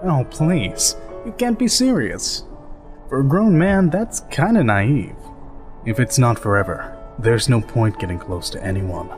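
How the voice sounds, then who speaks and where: A man's voice: mid-range voice, animated, a little slow, darkish tone, faint music behind, lightly acted. A man playing a chatty, goofy easygoing soldier. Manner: chatty, joking, laughs easily. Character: easygoing, rambling older male soldier, goofy. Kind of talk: fan dub of a game scene.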